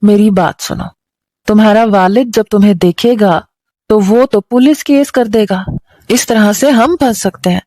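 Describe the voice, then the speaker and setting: A woman voicing a soft-hearted middle-aged mother with a motherly, reproachful manner. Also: medium pitch, unhurried, no echo, clean studio sound, lightly acted. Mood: kindly.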